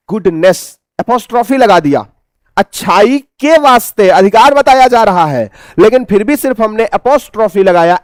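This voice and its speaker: A man's voice: high voice, dry recording. A man with an Indian accent teaching an exam-prep English lesson, explaining by asking the class questions and answering them himself.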